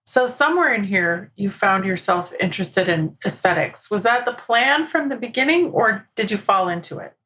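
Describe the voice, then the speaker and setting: A woman's voice: mid-range voice, animated, normal speed, few pauses, a bit bright, low-quality recording. Woman, 40s, podcast host; curious, friendly, mid-range voice with dry humour. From New York, USA. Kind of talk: casual podcast interview.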